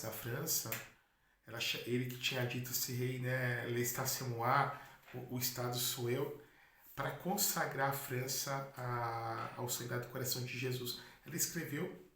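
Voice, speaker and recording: Catholic priest preaching in an echoey room. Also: male voice, mid-range voice, fairly bright tone. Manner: chatty storytelling with asides. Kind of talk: sermon. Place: in Spain. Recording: echoey room with faint noise.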